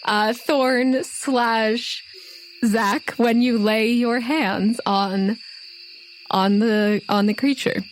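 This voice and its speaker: A woman's voice: fairly high pitch, fairly even intonation, very slow, a little hiss or hum, low-quality recording. A woman narrating casually as game master of a tabletop game, with faint night ambience behind her.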